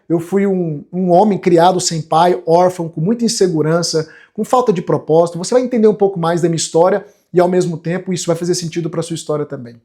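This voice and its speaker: A man's voice: high-pitched, dark tone. A man, a self-help coach giving an emphatic live-stream class and speaking straight to the viewer. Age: 40s. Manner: emphatic, repeats phrases, addresses the viewer directly.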